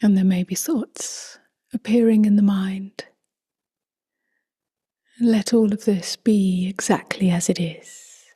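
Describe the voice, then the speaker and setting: A woman speaking softly and gently in a near-whisper as she guides a meditation, unhurried, with long pauses. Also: medium pitch, fairly even intonation. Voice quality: soft, breathy, near-whispered. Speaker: meditation teacher.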